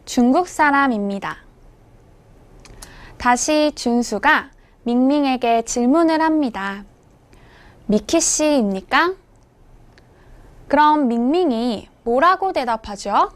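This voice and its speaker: A woman language teacher giving scripted instructional narration, with clear, measured enunciation. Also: sits high, lively intonation.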